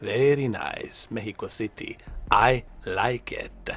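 A man's voice: on the low side, slow pace, creaky, fairly bright tone, a little hiss or hum. A man in his thirties streaming a game from home into a headset mic, joking, teasing his chat and swearing as he plays. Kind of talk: casual gameplay commentary. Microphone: headset with large foam mic.

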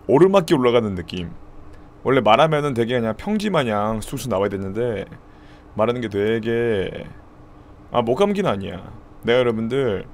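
A man streaming live with a hoarse voice, chatting casually and thanking subscribers. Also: medium pitch, slight background noise.

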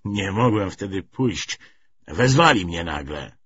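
A man voicing a reserved, awkward communist man in an audiobook novel, halting and terse. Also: sits low, lively intonation, fairly bright tone, slightly rough, dull audio, heavily acted. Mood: sheepish, hesitant. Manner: halting, sheepish, short answers.

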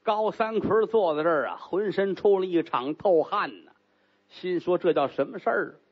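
A man telling a traditional comic story in a lively, animated way. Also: sits high, moderate pace, breathy edge, highs cut off.

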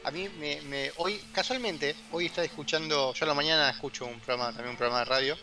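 A man with an Argentine Rioplatense accent co-hosting a podcast in relaxed, chatty talk full of asides. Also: fairly high pitch, fast, faint music behind. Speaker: podcast co-host. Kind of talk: casual chat.

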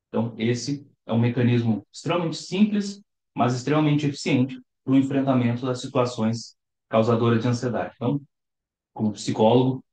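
A young adult Brazilian man, a psychologist, calmly explaining to the camera from his living room sofa. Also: mid-range voice, roomy sound, poor audio. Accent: Brazilian Portuguese. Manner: calm, explanatory, gestures with his hands. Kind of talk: to-camera talk.

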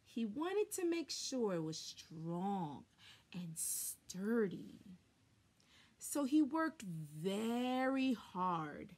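A young adult woman reading a children's story aloud expressively, with deliberate, dramatic emphasis, recorded indoors on a camera a short distance away. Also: mid-range voice, very animated, a little mellow. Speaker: storybook reader. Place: small furnished room indoors.

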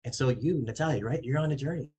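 Forties guy on a video call, husky voice, punchy and emphatic, coach vibes. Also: medium pitch, fast talker. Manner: energetic, emphatic, talks with his hands. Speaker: money coach, guest. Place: home office, indoors. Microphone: video call webcam.

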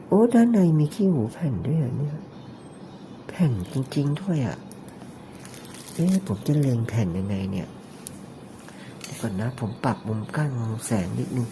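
A man narrating an ear-cleaning demonstration, talking in a deliberately raised, soft, falsetto-like voice with chatty, joking asides. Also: vocal fry, noisy background.

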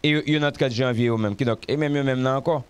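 Man, Haitian accent, talk show host, middle pitch, casual and hesitant, dry studio. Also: quick pace, smooth, dry recording. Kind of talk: casual panel chat.

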